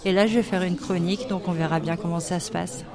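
Calm woman with chatter behind. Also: on the low side, quick pace. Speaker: radio show participant. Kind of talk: casual interview answers.

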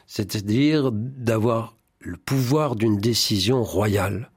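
Husky-voiced man preaching with fervor. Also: on the low side, slow. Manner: fervent, preacherly, quoting scripture. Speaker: priest and songwriter, interview guest. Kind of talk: spiritual radio interview.

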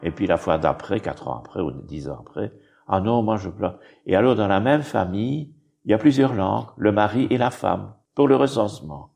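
A man's voice: lowish voice, lively intonation, a little fast, gravelly, a little mellow, husky. An older man, explaining history in an interview in a rambling, digressive way with frequent tag words. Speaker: bishop and historian guest.

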